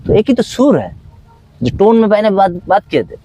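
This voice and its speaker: A man's voice: high voice, very animated, normal speed, dark tone, a little hiss or hum, poor audio. A man who teaches dance, talking philosophically in an outdoor conversation and acting out little scenes in other voices. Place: outdoors under a tree.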